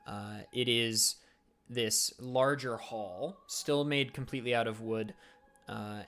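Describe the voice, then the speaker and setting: A man narrating a tabletop game as game master, describing scenes in a relaxed way with fillers. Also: medium pitch.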